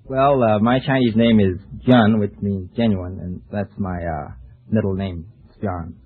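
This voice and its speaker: A man's voice: fairly low pitch, steady tone, measured pace, breathy edge. A man of twenty-four giving short, plain answers as a contestant on a quiz show. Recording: noisy old radio broadcast, narrow band.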